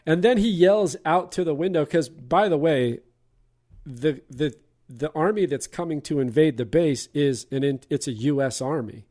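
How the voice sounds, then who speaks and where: A man's voice: a little high, normal speed, a little mellow. A man hosting a casual movie podcast, retelling scenes and chuckling along. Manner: laughs while retelling scenes. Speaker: podcast host.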